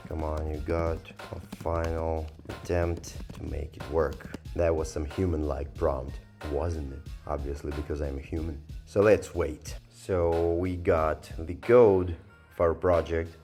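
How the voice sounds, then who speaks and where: Low-voiced man thinking aloud. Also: darkish tone. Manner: rambling, hesitant, thinking aloud. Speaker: software reviewer. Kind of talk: casual screen-recorded review commentary.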